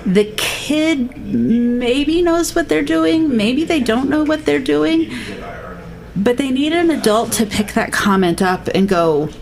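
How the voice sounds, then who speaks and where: A woman's voice: high voice, slow, vocal fry. A middle-aged woman counselor being interviewed on a podcast, speaking earnestly and acting out quoted speech. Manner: earnest, acts out quoted speech in lively voices. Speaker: guest counselor.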